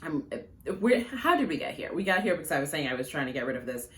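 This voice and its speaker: This woman's low voice is sing-song and quick-paced as she vlogs casually about personal finance to a phone camera on a tripod at home. Jamaican Patois is her first language, and she rambles with many fillers and laughs frequently.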